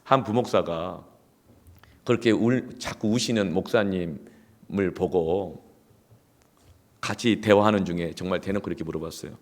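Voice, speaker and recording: A male pastor preaches a sermon built on personal stories, emphatic and swinging between hushed asides and loud outbursts. His voice sits low, at a moderate pace with frequent pauses.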